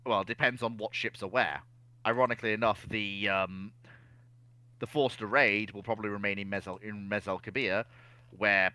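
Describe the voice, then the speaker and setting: Bright-voiced man analysing history. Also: on the low side. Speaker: naval history discussion panelist.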